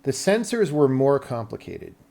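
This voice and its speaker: A man's voice: medium pitch, big pitch swings, moderate pace, creaky, warm tone. Casual, rambling American man thinking aloud. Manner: informal, rambling, thinking aloud, mildly profane. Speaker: live streamer. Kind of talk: casual livestream chat, explaining tech.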